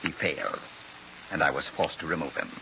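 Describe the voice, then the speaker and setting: An actor playing a cold, formal, soft-spoken murderous colonel in a 1940s radio crime drama, with an officer's precise manner. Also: male voice, rumbling low, brisk, vocal fry, full character voice. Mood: smug, menacing. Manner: formal, precise, coldly polite military officer. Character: soft-spoken, menacing male colonel, murderous gang boss. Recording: muffled, noisy old radio recording.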